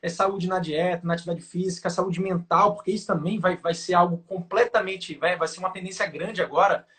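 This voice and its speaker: A man's voice: sits high, steady tone, a little fast, a bit bright. A man chatting casually as co-host, with colloquial slang fillers. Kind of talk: casual chat.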